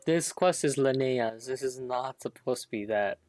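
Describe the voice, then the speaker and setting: A man's voice: mid-range voice, moderate pace, a little mellow. A man doing casual gaming stream commentary, rambling and thinking aloud with some salty language. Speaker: game livestreamer.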